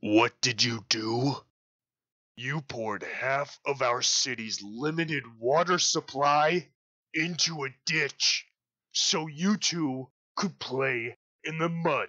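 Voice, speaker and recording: Putting on a character voice, a man talks very slowly at a fairly high pitch. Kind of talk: comic sketch acting. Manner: deadpan, exasperated. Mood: angry, scolding.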